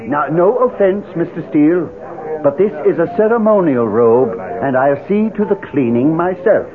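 An actor playing a haughty, prickly, coldly polite cult leader in a 1970s radio drama. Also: male voice, on the high side, lively intonation, moderate pace, lightly acted. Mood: irritated, curt. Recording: muffled old radio recording, music behind. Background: music.

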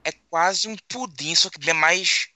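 A man's voice: high voice, unhurried, crowd noise. A man chatting casually, emphatic and given to repeating himself. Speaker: tabletop group member. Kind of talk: casual chat.

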